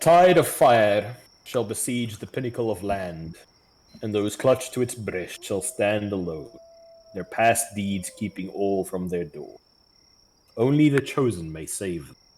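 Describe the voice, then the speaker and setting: In a put-on character voice, a man booms at a fairly low pitch and a moderate pace, with lively intonation and big swings in loudness. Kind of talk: archaic, formal. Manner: prophetic, solemn.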